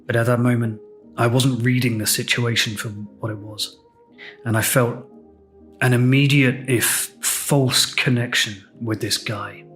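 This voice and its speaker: An English man recounts a personal story in a candid, reflective monologue, with a voice of ordinary middle pitch. He takes his time, and a little music sits faintly underneath. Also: steady tone, measured pace, a bit bright. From England. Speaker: podcast host.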